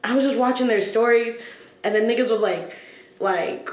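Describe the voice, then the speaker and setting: Host, casual chat, laid-back delivery, roomy studio sound. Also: male voice, very high voice, normal speed. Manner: laid-back, swearing, laughs often. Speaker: podcast host.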